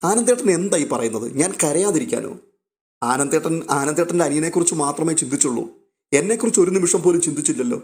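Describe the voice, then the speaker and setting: A man's voice: a little high, animated, fast talker, darkish tone. A man voicing a hurt, resentful young wife who speaks accusingly. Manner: accusing, bitter.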